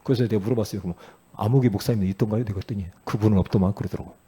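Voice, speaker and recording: A man preaching a sermon as pastor, talking in a conversational way with sudden loud emphatic rises. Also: fairly low pitch, very fast, husky.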